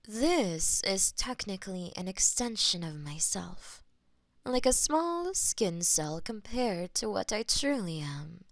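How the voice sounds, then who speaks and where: A woman playing a possessive, lovestruck goddess of death in an intimate romantic audio roleplay, with a breathy, theatrical delivery that often drops to whispers. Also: medium pitch, no room sound, studio quality. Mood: tender awe.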